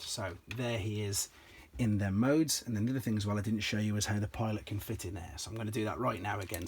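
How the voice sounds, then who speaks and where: A slightly hoarse man, an enthusiastic toy collector, casually explaining and demonstrating pieces from his collection step by step, with frequent ums. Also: fairly low pitch, slight background noise. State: slightly hoarse, clears throat.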